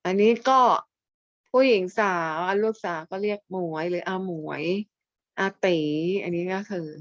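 A woman teaching a language lesson over a video call, asking questions, chiding quiet students and then answering her own questions. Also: mid-range voice, moderate pace, dry recording. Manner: chiding students who stay silent, asking questions and answering them herself. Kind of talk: online class lecture. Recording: dull lo-fi dry audio.

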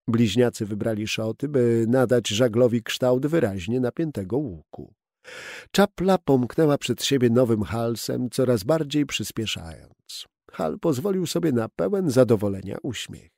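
Gravelly, lively male audiobook narrator. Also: medium pitch, no echo, clean studio sound. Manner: steady, expressive storytelling. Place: dry studio booth. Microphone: close studio mic.

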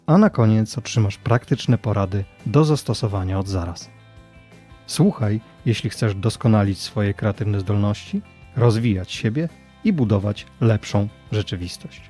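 Guy doing podcast host talk, soft mellow tone, bit husky. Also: on the low side. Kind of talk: podcast introduction and interview.

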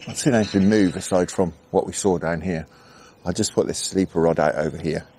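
An angling vlogger, middle-aged and English, thinks out loud in a chatty way as he fishes from a canal bank at dawn, filling gaps with casual fillers. He talks briskly in a low, darkish voice. A little hiss or hum sits under the birdsong and insect sounds.

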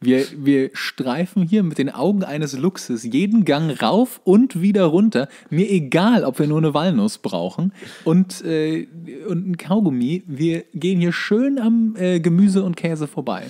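Mellow-voiced man ranting in casual chat. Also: a little high, expressive, unhurried, few pauses. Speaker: podcast co-host.

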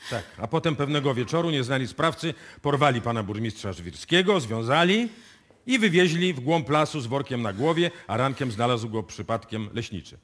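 An actor in a live radio play playing a skeptical, politely persistent police investigator who questions haltingly. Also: male voice, mid-range voice, expressive, fairly bright tone. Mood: probing. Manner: hesitant, polite, insistent questioning.

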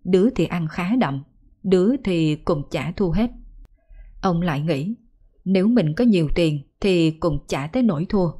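A woman storyteller narrating a folk ghost story in a measured, even way. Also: on the low side, husky.

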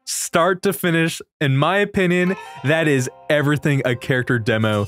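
A man giving casual, enthusiastic commentary in an excitable, slangy and emphatic way. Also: fairly high pitch, moderate pace, faint music behind. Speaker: video creator giving commentary.

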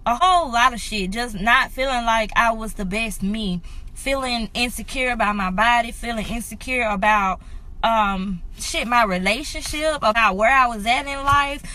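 A woman's voice: fairly high pitch, moderate pace, pushed and bright. A woman in her twenties vlogging casually to camera, chatty and unfiltered, filming on a handheld phone at home and then in her car. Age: 20s. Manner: chatty, unfiltered, talks straight to viewers. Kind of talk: casual vlog rant to camera.

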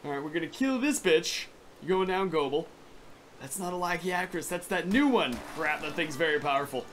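A young man from California with a raspy, sore throat, giving excitable, foul-mouthed gameplay commentary. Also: fairly high pitch, normal speed, slight background noise. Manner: excitable, swears freely. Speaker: gaming YouTuber.

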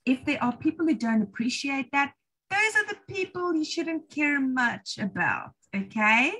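A woman's voice: high voice, expressive, unhurried, sharp tone, poor audio. A middle-aged South African woman, an English trainer, answering questions on a video call in a chatty, encouraging way. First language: English or Afrikaans. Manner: chatty, encouraging, self-deprecating. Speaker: IELTS trainer hosting a webinar. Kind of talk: webinar Q&A answers. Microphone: laptop video call.

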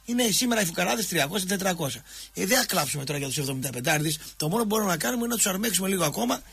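A Greek man rants on a radio talk show, pressing hard and circling back to the same jabs at a co-host. His voice sits high and a little husky. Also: animated, fairly bright tone. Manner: impassioned, repetitive, jabbing at a co-host.

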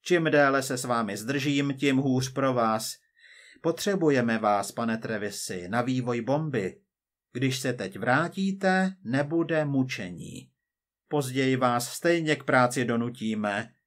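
A man voicing a cold, persistent male agent from the future, measured and quietly menacing. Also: medium pitch, natural voice.

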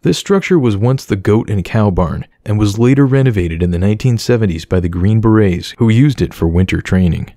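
A man narrating an exploration of an abandoned house in a calm, measured, scripted voice-over. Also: on the low side, no room sound, studio quality.

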